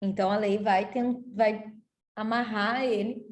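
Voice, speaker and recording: A woman's voice: mid-range voice, steady tone, measured pace, slight background noise. A woman with a Brazilian accent giving a law lecture to her class in a chatty, explanatory way, often checking in with the students. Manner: chatty and explanatory, tags sentences with "tá?". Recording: roomy echo.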